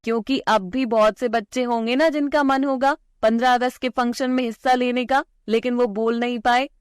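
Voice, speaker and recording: A woman as a gentle, kind schoolteacher. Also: on the high side, steady tone, brisk, clean tone, dry recording, clean studio sound, pitched above the performer's own voice, lightly acted. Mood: encouraging. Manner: gentle, reassuring. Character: kind, patient female schoolteacher.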